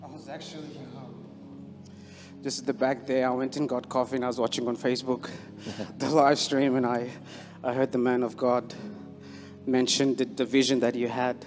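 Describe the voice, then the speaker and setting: A man's voice: medium pitch, level tone, moderate pace, soft background music. A young man from Sudan giving a testimony on an arena stage with a handheld mic, hesitant with many fillers. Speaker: bible school student. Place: large indoor arena stage. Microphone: handheld microphone.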